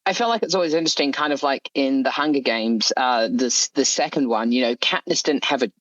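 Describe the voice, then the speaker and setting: A man's voice: mid-range voice, fairly quick, a bit bright. Man, slightly dull lo-fi sound. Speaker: interview guest, story author. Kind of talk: casual interview chat.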